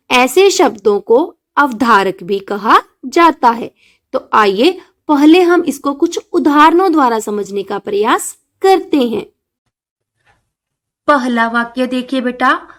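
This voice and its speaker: A woman with an Indian accent teaching an online school lesson to children, patiently explaining and calling them dear. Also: sits high. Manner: slow, patient, addresses pupils as children and dear.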